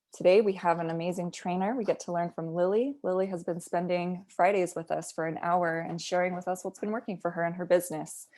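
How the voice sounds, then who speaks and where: Female host, upbeat and promotional; reads schedules, introduces the guest; slightly low voice. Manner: bright, promotional delivery.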